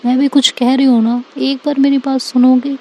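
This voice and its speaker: A woman's voice: sits high, level tone, normal speed, a little mellow, voice pushed up, low-quality recording. A woman voicing a firm reassuring teacher. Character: firm, calming female schoolteacher.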